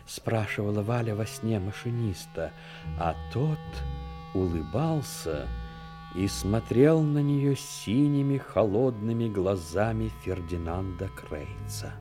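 A man narrating a scripted dramatic story in a measured, expressive way. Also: lowish voice, music in the background.

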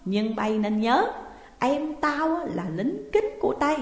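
A woman's voice: fairly high pitch, big pitch swings, moderate pace, a little mellow. A woman voicing a greedy, cunning middle-aged woman who screeches accusations, in a story reading. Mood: shrieking. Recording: roomy with a long reverb.

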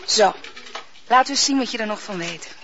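A brisk young maid, scolding and impatient as she teaches. Her voice is bright and clear-cut. The recording is dull and lo-fi, like an old radio drama. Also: medium pitch, lively intonation. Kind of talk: radio play acting.

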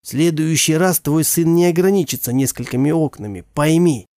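Мужчина в роли злого, язвительного отца. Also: male voice, a little high, normal speed, no room sound, clean studio sound, voice pushed up, close to an everyday voice. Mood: cold scornful. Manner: cold and sarcastic, bursting into shouts. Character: stern, scornful, hot-tempered father, grown man.

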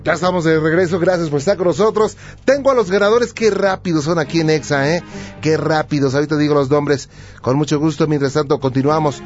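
A man hosting a radio call-in show, brisk and friendly with his caller. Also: fairly high pitch, lo-fi sound, soft background music. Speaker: radio host. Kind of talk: late-night radio call-in talk.

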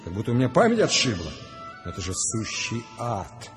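Wry, rebellious man railing at machines; lively, swooping, mocking radio-play voice over soft music. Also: fairly low pitch, normal speed. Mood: bitter, mocking. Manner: theatrical, expressive, mocking. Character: Mr. Brock, rebellious man sick of noisy machines, wry and impassioned. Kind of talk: Russian radio drama acting. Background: music behind the voice.

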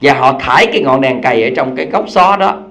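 A man's voice: medium pitch, expressive, fast, gravelly, fairly bright tone. A male Buddhist teacher giving a dharma talk, telling parables and asking his listeners questions. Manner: storytelling, asks the audience questions.

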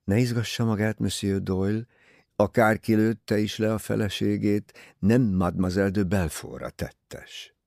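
A man reading an audiobook, voicing a calm, shrewd older detective who speaks in a measured, probing way. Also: fairly low pitch, vocal fry, dry recording, clean studio sound.

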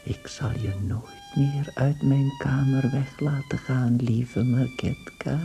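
Hushed, creaky, tender outcast beetle-man. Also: medium pitch, huge pitch swings, faint music behind, exaggerated voice. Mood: tender, dreamy. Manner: slow, hushed, intimate, breaking into whispers. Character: young man turned giant beetle, tenderly devoted, outcast, brooding. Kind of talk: radio drama inner monologue.

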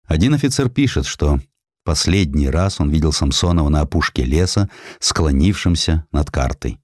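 A man reading a historical narrative as an audiobook narrator, in a measured, deliberate and dramatic way with weighty pauses. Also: a bass voice, lively intonation, darkish tone, no echo, studio quality.

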